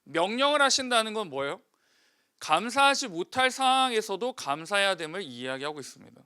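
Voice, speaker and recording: A man's voice: sits high, big pitch swings, fairly quick, sharp tone, clear, resonant tone. A male pastor preaching a sermon, putting questions to the congregation and answering them himself.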